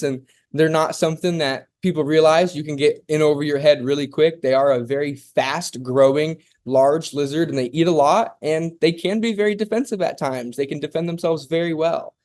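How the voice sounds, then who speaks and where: A man from Oklahoma, a podcast guest who talks in a relaxed, rambling way and often says "um" and "and stuff". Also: on the high side, normal speed. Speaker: guest, zoo founder. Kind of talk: casual interview talk.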